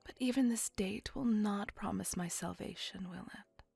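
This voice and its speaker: A woman voicing a possessive, centuries-old female vampire in an ASMR roleplay, whispering softly with formal, old-fashioned phrasing. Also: medium pitch, moderate pace, creaky, breathy edge, no echo, exaggerated voice. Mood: tender. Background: faint music.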